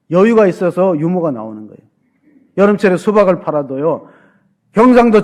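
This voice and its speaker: High-voiced pastor preaching with humor. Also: male voice, a little mellow. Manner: conversational and humorous, questions the congregation. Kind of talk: sermon. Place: church sanctuary.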